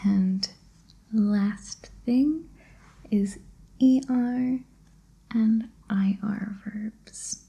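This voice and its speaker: A woman whispering a Spanish grammar lesson, slow and patient, in a breathy ASMR style. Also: medium pitch, mellow, low-quality recording. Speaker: Spanish tutor.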